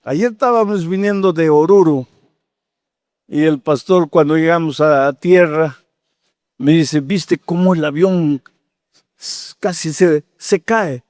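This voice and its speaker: A man's voice: fairly high pitch, takes it slowly, darkish tone, no echo, clean studio sound. A man in his eighties preaching a sermon as pastor, telling a story with acted-out dialogue and building to fervent exhortation. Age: 80s.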